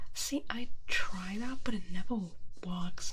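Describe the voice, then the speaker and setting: A soft-spoken woman whispering, with noticeable background noise. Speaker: vtuber. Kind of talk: ASMR livestream chat. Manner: soft-spoken, whispered.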